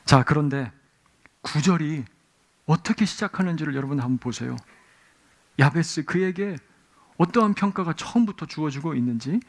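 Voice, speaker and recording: A man's voice: a little high, animated, normal speed, pauses often. A man preaching a sermon as pastor, telling stories and acting out the voices of people in them. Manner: storytelling, acting out voices in quotes. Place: church sanctuary.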